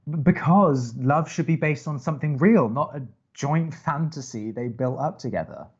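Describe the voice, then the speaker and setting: Skeptical college radio co-host, guarded, wry, hesitant, audio drama, middle pitch, slightly dull lo-fi recording. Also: male voice, animated, normal speed, husky. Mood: earnest, cautioning. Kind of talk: naturalistic audio drama acting.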